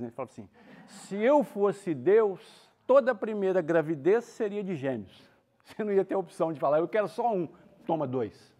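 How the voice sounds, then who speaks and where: A man giving a spiritist talk, mixing relaxed everyday stories and humor into his teaching. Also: sits high. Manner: colloquial, storytelling with humor. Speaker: spiritist speaker.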